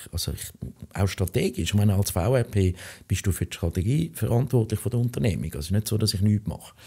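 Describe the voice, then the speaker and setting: The voice is somewhat breathy, with a dark, mellow tone. Its pitch variation is ordinary. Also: man, quiet background. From Switzerland. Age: 50s. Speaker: restaurant owner; podcast guest. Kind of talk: interview. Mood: relaxed, open, conversational. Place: studio. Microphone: studio mic.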